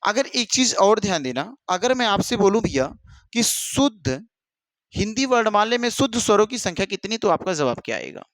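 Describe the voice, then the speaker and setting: High-voiced man dictating a lesson. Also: sing-song, a bit bright, no echo. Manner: repetitive, dictating notes slowly; addresses students as brother. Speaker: teacher. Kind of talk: exam-prep lesson.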